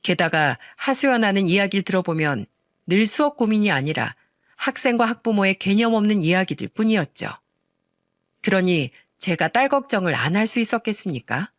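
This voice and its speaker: A woman's voice: mid-range voice, expressive, normal speed, no room sound, clean studio sound. An older woman narrating an earnest, indignant story about her daughter. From South Korea.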